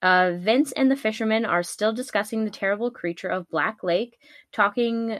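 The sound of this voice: Ordinary pitch variation runs through the clip. It is an unforced reading voice.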